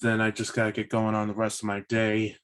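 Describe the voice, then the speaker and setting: A man in his thirties chatting casually on a video call, halting and often repeating himself. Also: lowish voice, completely flat delivery, clear, resonant tone. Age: 30s. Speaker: participant in a virtual table read. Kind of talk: casual chat before a script read.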